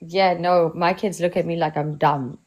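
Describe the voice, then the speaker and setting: A woman's voice: on the low side, steady tone, normal speed, darkish tone. A woman in her thirties from South Africa, hosting a casual livestream chat, laid-back and laughing as she tells stories. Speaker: livestream host.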